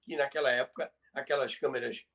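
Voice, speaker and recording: A man's voice: medium pitch, steady tone, a little fast, vocal fry, fairly bright tone. A Brazilian man telling radio history conversationally as a podcast presenter, explaining things emphatically and repeating key phrases for effect.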